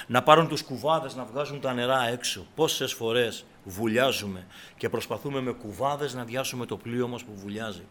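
A man preaching a sermon to his congregation, breaking into loud cries and then dropping back to a low, quiet voice. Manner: shouts in bursts, then drops to a low, quiet tone; addresses the congregation as brothers.

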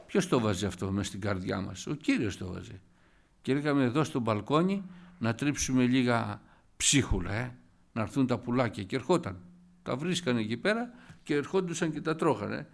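A man gives a sermon in a loose, storytelling way, speaking to his congregation as brothers. His voice is gravelly, with a rough fry at the ends of phrases, and he keeps stopping to cough or add asides. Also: medium pitch, animated. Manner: storytelling, retelling scripture with many asides and coughs. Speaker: preacher. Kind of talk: informal sermon.

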